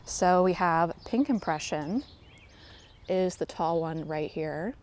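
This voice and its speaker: A woman's voice: on the low side, takes it slowly, darkish tone, slight background noise. A woman giving a casual walking tour of her home garden, chatty and self-deprecating, talking to viewers like friends, recorded outdoors on a handheld phone. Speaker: garden vlogger. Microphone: handheld phone camera, speaker off screen.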